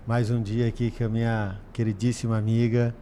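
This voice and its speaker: A man's voice: mid-range voice, little pitch movement, a little fast, warm tone, long reverb tail. A man hosting a talk show, greeting the audience and welcoming his guest informally. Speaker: host. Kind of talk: casual interview chat.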